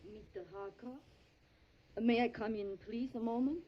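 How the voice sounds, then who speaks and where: Eastern European innkeeper, muffled recording. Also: female voice, fairly high pitch, expressive, noisy background. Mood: solicitous. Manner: halting foreign phrasing, tag questions, solicitous. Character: hospitable, anxious Transylvanian innkeeper, superstitious and insistent. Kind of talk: audio drama acting. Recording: dull lo-fi audio, faint music. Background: music.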